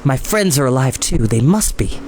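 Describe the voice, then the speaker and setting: A man's voice: medium pitch, very animated, moderate pace, a little mellow, a little hiss or hum, natural voice. A man voicing an anxious, stubborn young man in a storybook.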